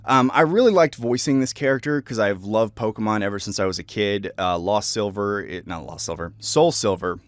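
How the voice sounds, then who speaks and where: A man's voice: fairly low pitch, brisk, hardly any pauses, no room sound. A young adult man, a voice actor, talking casually and reflectively about his work. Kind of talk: casual reflective commentary on own roles.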